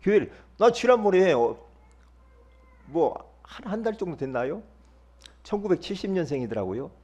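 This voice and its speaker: A male pastor giving a sermon in a lively, conversational way, often asking the congregation questions. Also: high-pitched, moderate pace, lo-fi sound. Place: church.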